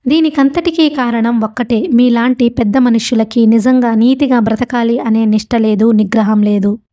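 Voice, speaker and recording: Young man, angry, accusing, voiced by a woman, mellow tone. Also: a little high, fairly even intonation, normal speed, close to an everyday voice.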